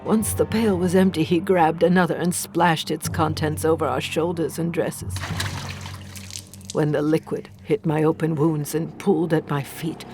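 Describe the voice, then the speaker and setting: A woman playing an accused village healer, bitter and defiant, narrating a horror audio drama gravely and deliberately in a creaky voice. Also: sits low, steady tone, lightly acted. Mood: defiant, anguished. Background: faint music.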